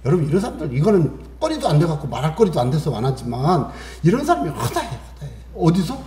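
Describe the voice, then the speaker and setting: Animated male pastor preaching in an echoey church. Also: fairly high pitch, fast talker. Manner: animated preaching, acts out family voices and asks the congregation questions. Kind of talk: sermon.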